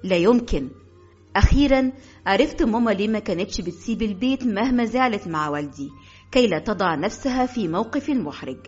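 A woman's voice: mid-range voice, animated, fast talker, breathy edge, soft background music. A woman with an Egyptian accent narrating a first-person audiobook with emotional, dramatic storytelling. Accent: Egyptian Arabic. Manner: emotional storytelling mixing formal Arabic and dialect. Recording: dull, lo-fi audio.

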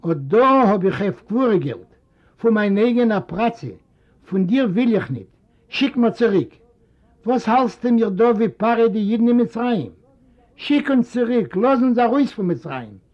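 A stubborn old father, put on by a male reader, hollering his refusals at a high, strained pitch. He is proud and indignant and repeats himself as he digs in. The recording is dull and lo-fi. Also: animated, unhurried. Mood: defiant shouting. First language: Yiddish.

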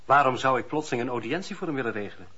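An actor playing a sober, reserved middle-aged official in a radio drama, talking in a formal, measured way. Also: male voice, mid-range voice, animated, bright, forceful tone, slightly rough. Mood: sceptical. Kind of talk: Dutch radio drama acting. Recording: dull lo-fi radio recording.

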